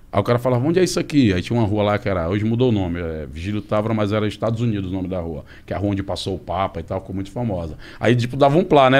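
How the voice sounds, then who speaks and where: A man talks at a very fast pace, his fairly low voice carried by lively intonation. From Fortaleza, Ceará, Brazil; Ceará, Brazil. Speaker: social activist, head of favela organization; guest. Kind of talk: casual interview. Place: studio. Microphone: studio mic.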